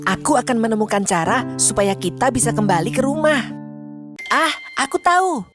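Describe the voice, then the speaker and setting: A woman voicing a clever, brave young boy in a cartoon, lively and reassuring. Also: a little high, normal speed, music in the background, natural voice. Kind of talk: cartoon voice acting.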